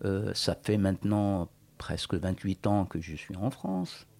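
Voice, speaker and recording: A man in his forties from Morocco speaks as a guest writer in a radio discussion, with a fairly low voice. He thinks aloud, pausing, restarting and circling back to his point. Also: expressive, vocal fry, mellow. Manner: hesitant, thoughtful, many restarts.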